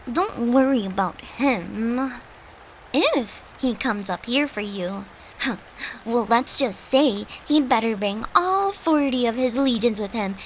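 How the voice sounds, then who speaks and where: A devoted girlfriend, played by a woman, in an intimate comfort roleplay, with a fairly high voice and an unhurried pace. She is tender and coaxing, playful yet protective, and sometimes sinks into a murmur. A clear rain-like hiss sits behind her. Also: rough recording. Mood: defiant, protective. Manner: tender, soothing, coaxing, slipping into breathy murmurs.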